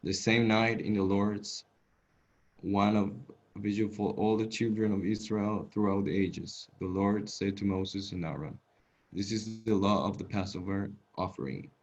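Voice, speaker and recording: A man's voice: on the low side, fairly even intonation, unhurried. A man with a non-native accent reading a scripture passage aloud to a study group over a video call, stumbling and repeating words. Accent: non-native English. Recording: dull, lo-fi video call audio.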